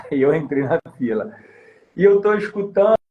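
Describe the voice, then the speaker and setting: High-pitched guy from rio telling a story on a podcast, does the voices. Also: moderate pace, narrow, tinny audio. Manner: animated storyteller, acts out the voices and shouts in his story. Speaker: podcast guest, former elite police officer. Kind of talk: storytelling in a casual interview.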